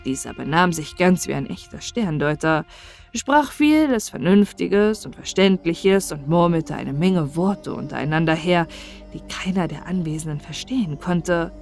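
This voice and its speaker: A woman's voice: fairly low pitch, lively intonation, a little slow, a little mellow. A woman reading a scripted fairy tale as an audiobook narrator, in bedtime storybook style. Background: music behind the voice.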